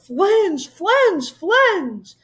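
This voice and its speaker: Woman doing a squeaky, giddy creature king. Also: sing-song, full character voice. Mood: elated. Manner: yelling, rapid and squeaky.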